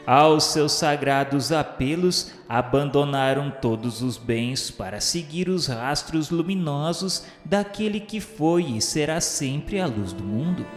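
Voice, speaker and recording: Slow, solemn Brazilian man in long reverb. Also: medium pitch. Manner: formal, grandiloquent, reverent. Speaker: narrator. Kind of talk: solemn scripted narration of a religious radio novela. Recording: roomy long reverb, music behind. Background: music.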